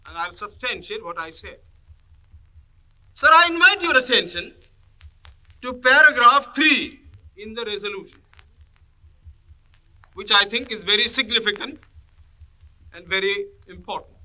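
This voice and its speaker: Very high-pitched, slow-speaking male orator. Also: lively intonation, sharp tone, poor audio. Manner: measured, emphatic, broken into short phrases. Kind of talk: formal parliamentary oratory.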